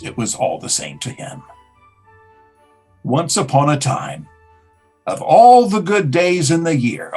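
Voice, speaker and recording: A man narrating a classic story theatrically, dropping at times into hushed tones. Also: a little high. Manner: theatrical, with hushed breathy drops.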